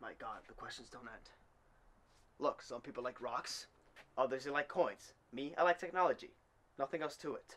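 A man talks at a moderate pace with ordinary pitch variation. His loudness swings widely. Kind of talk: scripted drama dialogue. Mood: exasperated, defensive. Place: garage.

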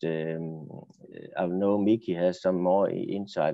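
In a Danish accent, a man with a very deep, low pitch speaks at a fairly slow pace with fairly even intonation, the sound dry with no echo and the background quiet. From Denmark. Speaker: wood research institute vice director; presenter. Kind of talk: webinar presentation. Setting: video call. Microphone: video call.

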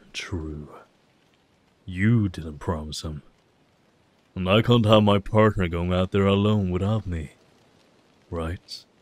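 A man with a very deep, low pitch and a warm tone speaks at a fairly slow pace with ordinary pitch variation and long, frequent pauses, in a very clean recording with a silent background. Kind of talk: boyfriend ASMR roleplay, soft-spoken. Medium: audio drama. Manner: warm, teasing, protective.

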